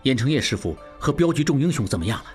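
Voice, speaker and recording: A man's voice: medium pitch, big pitch swings, fast, a little mellow, soft background music, close to an everyday voice. A man voicing a solemn, righteous male banker who speaks earnestly in an audiobook.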